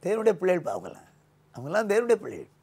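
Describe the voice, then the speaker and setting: An older Tamil-accented pastor races through a sermon in a gravelly, husky voice whose pitch swoops wildly. Recorded on a lapel mic in a small indoor studio, he swings between loud emphasis and low, quiet lines.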